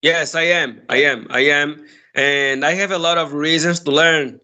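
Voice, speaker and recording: Friendly Angolan man, higher voice. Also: steady tone, normal speed, sharp tone, highs cut off. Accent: Angolan Portuguese. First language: Portuguese. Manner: friendly, thoughtful, laughs often. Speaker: conversation partner. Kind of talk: casual chat.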